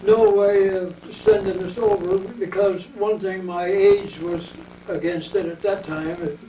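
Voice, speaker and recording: A man in his eighties with an American accent, telling his war memories at length in an oral history interview, wandering and pausing as he remembers. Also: high voice, expressive, vocal fry, mellow, slight background noise. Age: 80s. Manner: rambling reminiscing storyteller. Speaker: veteran interviewee. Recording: echoey room, mic at a distance.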